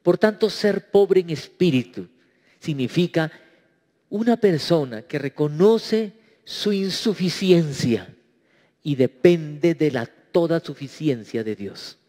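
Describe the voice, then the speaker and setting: A man's voice: a little high, animated, takes it slowly, mellow. A man preaching a sermon as pastor, emphatic and acting out quoted prayers. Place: church. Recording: reverberant church hall.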